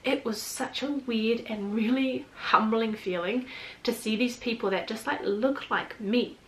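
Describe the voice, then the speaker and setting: Kiwi girl vlogging a travel storytime, bit high-pitched, chatty and rambly, says like a lot. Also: unhurried, poor audio. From New Zealand. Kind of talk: casual storytime chat.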